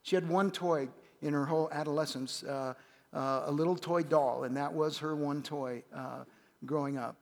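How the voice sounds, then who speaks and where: A man's voice: fairly high pitch, fairly even intonation, moderate pace, gravelly. A man in his fifties telling a family story to a church congregation in an earnest way. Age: 50s. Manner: earnest, with frequent uh fillers. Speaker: church guest speaker. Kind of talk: storytelling on stage. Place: large church auditorium. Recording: long hall reverb.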